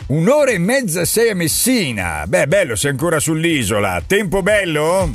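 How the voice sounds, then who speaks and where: A man hosting radio in casual banter, teasing and excitable, often repeating his words. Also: fairly high pitch, normal speed, faint music behind. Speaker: radio host.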